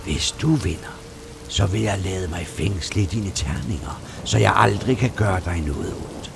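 A man's voice: low-pitched, vocal fry, noisy background. A man voicing a small, loyal woman rune master who speaks boldly and solemnly, in a storybook reading. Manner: bold, solemn, defiant. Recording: music playing underneath.

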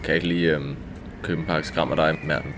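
A man playing a tabletop game, speaking with hesitant, gruff banter. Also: very deep voice, level tone, noisy background. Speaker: player.

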